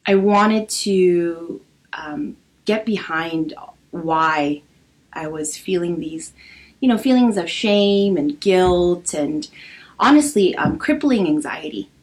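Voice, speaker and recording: A woman from Los Angeles in her early thirties speaks in a casual interview, her voice sitting slightly low. She talks haltingly, filling pauses with ums as she thinks aloud. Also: expressive, rough recording. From Los Angeles, USA. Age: early 30s. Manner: soft, hesitant, many pauses and ums. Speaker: podcast guest.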